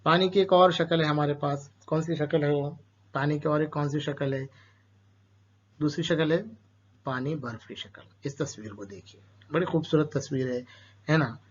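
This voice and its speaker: A man teaching a school lesson to children, asking questions and answering them himself, with an Urdu-speaking Indian accent. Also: medium pitch. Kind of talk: explaining a school chapter to children. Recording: dull lo-fi sound.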